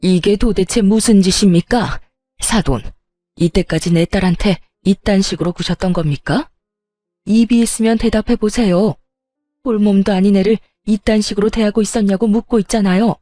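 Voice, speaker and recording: A woman's voice: medium pitch, normal speed, mellow, no echo, soft background music, lightly acted. A woman voicing a protective middle-aged mother who confronts her in-law in a stern, formal, demanding way.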